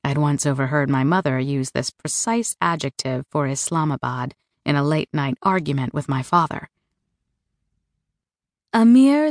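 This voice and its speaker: Low-voiced woman narrating an audiobook. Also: no room sound, studio quality. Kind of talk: first-person literary narration. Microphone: close studio mic.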